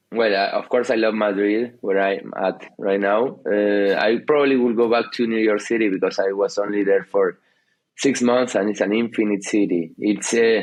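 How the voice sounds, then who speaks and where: In a Spanish accent, a man speaks at a fairly low pitch with fairly even intonation and very even loudness. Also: moderate pace. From Argentina, Buenos Aires. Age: 30s. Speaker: entrepreneur. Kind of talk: podcast interview. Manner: halting.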